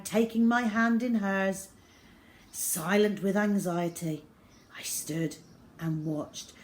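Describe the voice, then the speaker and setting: A woman reads a story aloud as its narrator. Her delivery is expressive and measured, with dramatic weight given to the feeling in each phrase. It sounds like a children's audiobook told in the first person. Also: mid-range voice.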